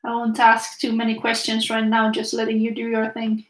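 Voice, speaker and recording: Young woman, Finnish accent, high-ish voice, relaxed live-stream chatter, roomy echo. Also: moderate pace. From Finland. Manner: chatty, reads viewer comments aloud. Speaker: art teacher streaming live. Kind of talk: casual chat while painting.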